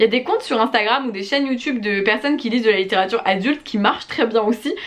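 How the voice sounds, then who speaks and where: With a fairly high pitch and ordinary pitch variation, a woman talks at a very fast pace. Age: 20s. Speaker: book YouTuber. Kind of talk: casual vlog talk to camera. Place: home room.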